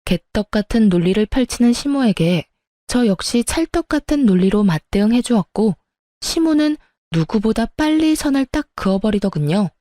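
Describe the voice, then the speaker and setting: Dark-voiced woman narrating a story. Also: on the high side, expressive, normal speed, no echo, studio quality. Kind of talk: scripted first-person story narration.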